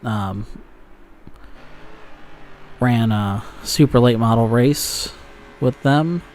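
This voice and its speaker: Slow, rambling young man commentating gameplay. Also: mid-range voice, a little mellow, a little hiss or hum. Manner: rambling with frequent fillers and profanity. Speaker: gaming channel host.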